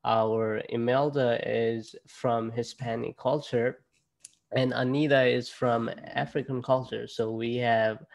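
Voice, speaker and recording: Slow gravelly young man with a Nepali accent. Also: mid-range voice. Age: young adult. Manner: halting, with frequent fillers and restarts. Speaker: student ambassador presenter. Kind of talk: casual online presentation. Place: indoor room at home. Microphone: laptop webcam on a video call.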